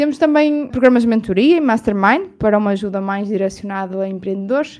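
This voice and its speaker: Against a quiet background, a woman with a fairly high pitch talks at a moderate pace in a normal speaking voice, her pitch varying in an ordinary way. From northern Portugal, Minho (Fafe). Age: 30s. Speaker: podcast host, entrepreneur. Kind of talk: solo monologue, self-introduction.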